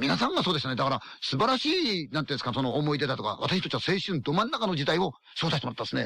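Fairly high-pitched, a man talks at a very fast pace with lively intonation, very even loudness and hardly any pauses. The sound is dry, with no echo. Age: 50s. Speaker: ghost story teller. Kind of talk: late-night radio talk show. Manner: chatty anecdotal storytelling. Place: studio.

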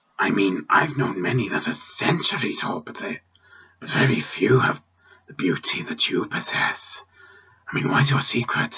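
A man uses a put-on character voice at a medium pitch. He talks at a moderate pace. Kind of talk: comedy audio drama performance.

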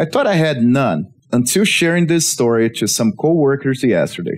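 This man's intonation is lively, and he keeps a moderate pace. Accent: non-native. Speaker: YouTube narrator. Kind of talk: reading aloud.

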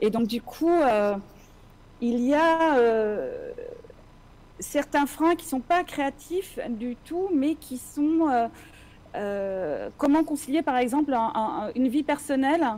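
A woman's high-pitched voice with a dark, mellow tone, lively intonation, a very slow pace and long, frequent pauses. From eastern Belgium. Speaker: film director; panelist. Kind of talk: panel discussion. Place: home room.

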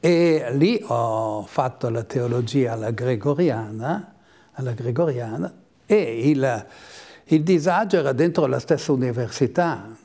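Over a quiet background, a man with a dark, mellow tone and medium pitch speaks very slowly with lively intonation. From northern Italy. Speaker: parish priest. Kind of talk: interview. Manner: halting. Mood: calm, reflective. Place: office. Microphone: lapel.

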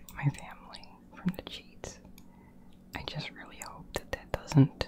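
Whispering, a woman speaks at a fairly slow pace. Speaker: gameplay narrator. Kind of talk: ASMR gameplay commentary. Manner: whispered. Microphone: studio mic.

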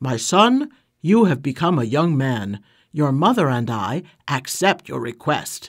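This is a cartoonish character voice. It moves at a fairly slow pace. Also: man, fairly high pitch for a man, very clean recording, silent background. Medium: puppet show. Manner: solemn, kind.

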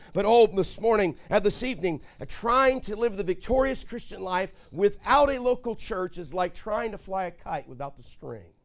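This man speaks at a high pitch with lively intonation and big swings in loudness. His pace is moderate with hardly any pauses, against a quiet background. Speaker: pastor. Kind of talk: sermon. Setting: church. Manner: earnest, conversational; warm, persuasive. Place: church. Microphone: podium.

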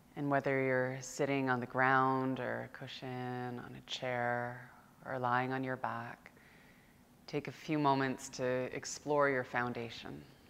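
Soft-spoken and soothing, a woman talks at a very deep, low pitch with a gentle tone. Her intonation is monotone and flat, and her pace is fairly slow. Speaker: meditation teacher. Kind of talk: guided meditation. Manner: slow, calm, soft-spoken; gentle, soothing, long pauses between instructions. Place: hall.

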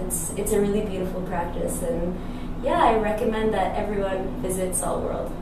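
Amid noticeable background noise and audible room echo, a woman speaks at a moderate pace. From Canada. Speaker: spa customer. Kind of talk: customer testimonial. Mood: warm, cheerful. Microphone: camera far.

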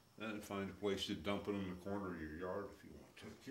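A man's fairly low-pitched voice at a fairly quick pace, with light background noise and audible room echo. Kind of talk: tutorial. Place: garage. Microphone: camera far.

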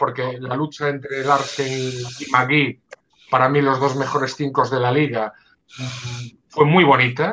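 Over light background noise, a man's fairly high, bright, sharp voice moves at a fairly slow pace. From Lugo, Galicia; Galicia. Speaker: basketball analyst. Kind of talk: casual chat. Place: home room. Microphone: video call.

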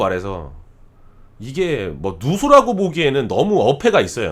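A man speaks at a fairly slow pace. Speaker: car reviewer and YouTuber. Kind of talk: casual monologue with voice-over narration. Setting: voice-over recorded afterwards, car wash footage.

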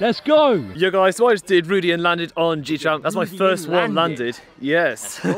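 At a moderate pace, a man with a high pitch talks with ordinary pitch variation over light background noise. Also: dry sound with no echo. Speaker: trampoline vlogger. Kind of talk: casual vlog chat. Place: garden. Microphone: phone near.

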